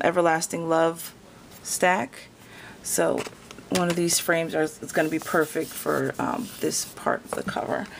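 A woman chatting casually to her viewers as she unwraps craft gifts, gushing with thanks and dropping to a soft whisper when something delights her. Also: deep voice, vocal fry, slight background noise. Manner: gushing, repeats thanks and exclamations. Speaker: craft vlogger opening gifts. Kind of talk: casual unboxing chat to camera. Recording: loud paper crinkling and rustling.

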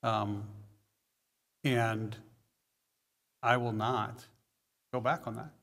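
A man on the town council speaking deliberately at a public meeting and standing by his position. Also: mid-range voice, fairly even intonation, fairly bright tone. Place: large school auditorium.

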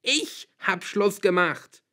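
A man voicing a desperate teenage girl who shouts through tears, in an audiobook reading. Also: sits high, sing-song, slow pace, pitched above the performer's own voice, exaggerated voice. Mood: screaming.

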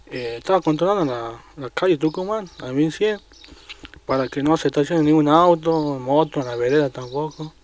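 At home, an Argentine man who works as a traffic agent casually recounts his story in an interview, speaking Spanish with an Argentine accent. His voice is a bit high, and he talks haltingly, restarting often and repeating words, with faint noise in the background.

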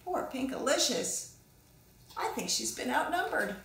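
High-voiced woman reading to children, echoey room. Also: sing-song, vocal fry, fairly bright tone, slight background noise. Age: middle-aged. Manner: slow, deliberate, asking listeners questions. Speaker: children's author reading aloud. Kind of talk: expressive storybook read-aloud for children. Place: small indoor room full of dolls. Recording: roomy echo, distant microphone.

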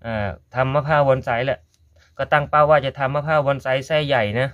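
A man's voice: mid-range voice, little pitch movement, brisk, fairly bright tone. Chatty man with a Korat Thai accent. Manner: chatty, addresses viewers as brothers and sisters. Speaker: gardening vlogger. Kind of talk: casual how-to vlog.

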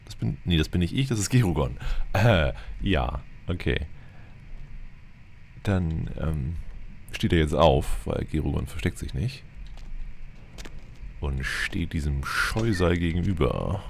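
Male let's play host, casual and wry, creaky bass voice, clear game noise behind him. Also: lively intonation, slow, pauses often. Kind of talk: casual gameplay commentary with light roleplay. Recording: noticeable background noise, game ambience. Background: video game ambience.

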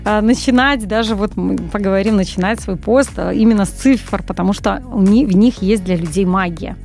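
Animated forty-something woman in a radio studio. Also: medium pitch, fairly quick, gravelly, soft background music. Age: 40s. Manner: animated, expressive storytelling with frequent hesitations. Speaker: guest copywriter. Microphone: large studio mic on boom arm, wearing headphones.

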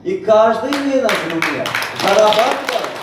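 A high-pitched Central Asian man, a senior manager in network marketing, gives a motivational presentation on stage in a large hotel banquet hall, mixing two languages. With lively intonation at normal speed, he's emphatic and boastful, using rhetorical questions. A far camera in the audience captures distant, noisy, echoey sound.

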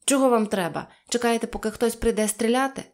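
A woman's voice: on the high side, fast talker, voice pushed up, close to an everyday voice. Cross, impatient stall keeper woman, snappish; a woman reader voices her.

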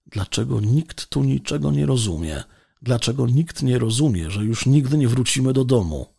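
Rozgoryczony młody mężczyzna odegrany przez lektora krzyczy na towarzyszy szorstkim, ostrym tonem. Brzmienie nisko osadzone, zachrypnięte i szorstkie. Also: male voice, sits low, lively intonation, unhurried, husky, exaggerated voice. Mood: despairing shout. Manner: harsh, snapping. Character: angry, bitter young man, expedition member.

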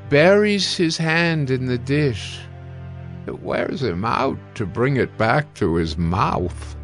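A man narrating a dramatized audio Bible with measured, emphatic phrasing and deliberate pauses. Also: medium pitch, a bit bright. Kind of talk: dramatized scripture reading. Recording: music bed under the voice. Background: music.

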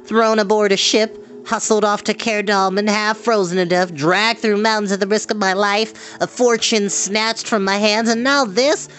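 A man's voice: sits high, fairly even intonation, normal speed, hardly any pauses, a bit bright, soft background music, voice pushed up. A man voicing a pudgy, whining little man who was once a giant and is greedy and full of complaints. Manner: whiny, complaining.

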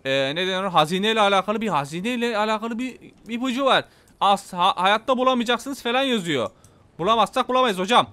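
A man with a Turkish accent giving excitable, casual gameplay commentary, talking to his viewers and swearing playfully. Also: high voice, fast. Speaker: gameplay YouTuber.

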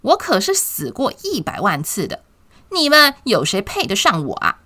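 A woman's voice: medium pitch, wildly swooping pitch, normal speed, sharp tone, no echo, exaggerated voice. A woman voicing a proud, boastful male stray cat, showing off emphatically in a picture book read aloud to young children.

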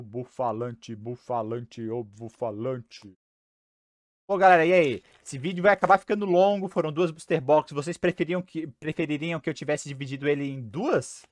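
A young Brazilian man hosts a card-opening channel and chats casually through a headset while unboxing in a small room at home, his voice going hoarse. Excitable and talkative, he repeats himself. His pitch is medium and the recording is dry.

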